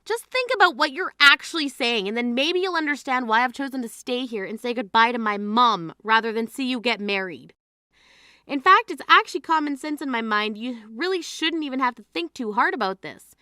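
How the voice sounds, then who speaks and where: Woman as exasperated grieving sister, scolding, high and bright. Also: animated, brisk, clear, resonant tone, no echo, studio quality. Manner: scolding, indignant. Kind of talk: scripted drama dialogue.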